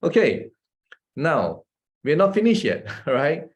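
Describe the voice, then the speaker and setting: Through dull audio, a Malaysian presenter delivers a casual talk in Malaysian English, his voice on the high side with wildly swooping pitch and a slow pace. He chats with the audience, often asking "right?" and laughing between points.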